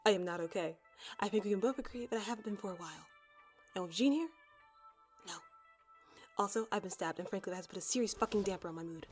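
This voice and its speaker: A woman's voice: mid-range voice, quick pace, pauses often, faint music behind, natural voice. Woman acting a bitter, sardonic sci-fi heroine. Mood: bitter, irritated. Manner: curt, sardonic, profane. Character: bitter, guarded, sarcastic wounded woman in sci-fi drama. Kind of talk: audio drama acting.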